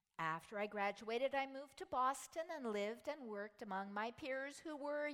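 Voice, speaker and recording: Her warm tone swinging very widely in pitch, a woman speaks with an American accent. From US Northeast. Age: 60s. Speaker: women's ministry speaker. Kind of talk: sermon. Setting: stage with audience. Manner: warm, humorous.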